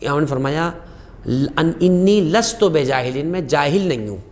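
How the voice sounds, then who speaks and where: A man speaking as a guest scholar on a religious talk show, telling stories with passion, rising sharply on key phrases and reciting Arabic quotations slowly. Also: on the high side, lively intonation.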